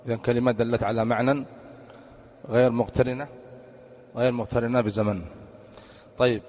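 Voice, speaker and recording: A male religious teacher giving an Arabic grammar lesson, often quizzing his listeners with quick questions. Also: medium pitch, level tone, a little mellow. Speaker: Islamic teacher. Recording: long echoing reverb.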